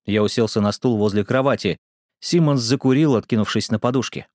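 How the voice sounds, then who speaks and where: Measured male audiobook narrator. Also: mid-range voice, darkish tone, dry recording, studio quality. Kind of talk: audiobook reading.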